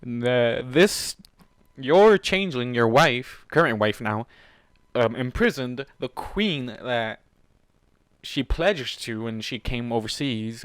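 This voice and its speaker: A man's voice: medium pitch, fairly bright tone, clean tone, dry recording. A man reading fan fiction aloud and breaking off for incredulous, sweary, casual commentary.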